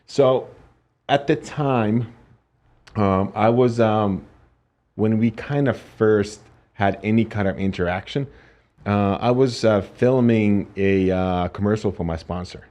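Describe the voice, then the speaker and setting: A man with a Finnish accent, a fitness trainer and podcast guest, telling a story haltingly with many pauses. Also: on the low side, a little mellow. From Finland. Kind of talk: casual interview chat.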